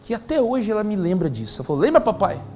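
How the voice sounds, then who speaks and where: A man's voice: high-pitched, big pitch swings, very fast, mellow, a little hiss or hum. A man, a pastor telling a story in a sermon, acting out the dialogue in casual slang. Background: faint music.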